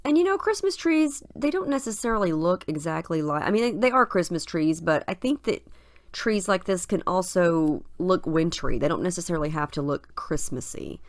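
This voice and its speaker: A woman's voice: fairly low pitch, normal speed, dry recording. A woman with a head cold, sounding scratchy and nasal, chatting casually as she narrates her scrapbooking process. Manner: chatty, relaxed, thinking aloud with fillers. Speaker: craft video host.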